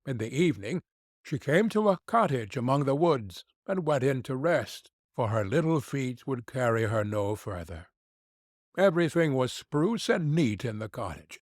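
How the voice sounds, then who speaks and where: A man narrating a fairy tale for an audiobook in a measured storytelling manner. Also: mid-range voice, big pitch swings, no echo, clean studio sound.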